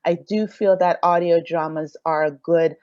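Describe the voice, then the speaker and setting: A woman speaking as a panelist and audio drama creator, reflective and halting as she searches for words in an unscripted discussion. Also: on the low side, steady tone, darkish tone, dry recording, lo-fi sound.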